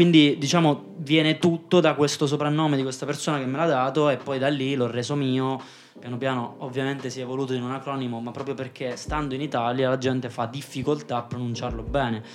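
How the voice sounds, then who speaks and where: A man's medium-pitched voice at a fairly quick pace with fairly even intonation, set against noticeable background noise. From Pescara, Abruzzo, Italy. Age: 20s. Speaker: rapper. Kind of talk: casual chat.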